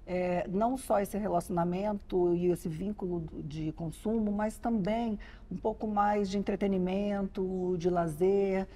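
A woman's voice: medium pitch, steady tone, a little slow, warm tone. A Brazilian woman in her forties interviewing conversationally, often repeating words as she forms her questions. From Goiás, Brazil. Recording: faint ambient noise behind speech.

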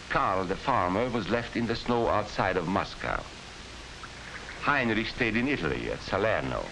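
Earnest 1940s film narrator, lively lecture. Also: male voice, on the low side, noisy background. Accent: Hungarian. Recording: old film soundtrack with music behind.

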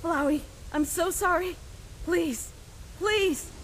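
A woman playing a gentle, uneasy young human adventurer in a comic dub, soft, hesitant and sincere. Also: very high-pitched, takes it slowly, in a large hall, slight background noise. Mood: distressed. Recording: music behind the voice.

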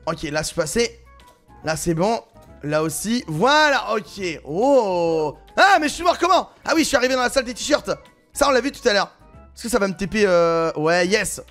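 A man with a French accent giving excited gameplay commentary, exclaiming and laughing often as he plays. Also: sits high, normal speed, soft background music. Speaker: gaming YouTuber.

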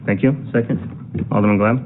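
A man serving as mayor, chairing a city council meeting and briskly reading agenda items aloud in a large council chamber. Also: on the low side, steady tone. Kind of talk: formal meeting procedure. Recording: tinny, phone-like sound.

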